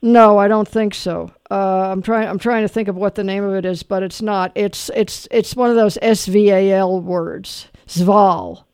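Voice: mid-range voice, steady tone, measured pace, hardly any pauses, darkish tone, smooth, no echo, studio quality. A radio host in casual talk, rambling and self-deprecating with lots of fillers. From Canada.

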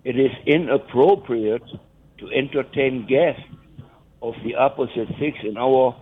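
A man's voice: medium pitch, husky. Native German-speaking man, hesitant chatty guest, phone-line audio. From Germany, near the Dutch and Belgian border. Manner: halting, many fillers and restarts, laughs often. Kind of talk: casual chat.

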